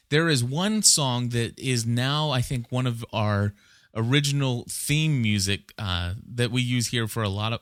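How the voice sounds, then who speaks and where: A man talks as a podcast host in a casual, explanatory style. His pitch sits in the middle range and he wanders into conversational asides. The sound is close and dry, with very little room in it. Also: a bit bright, no echo.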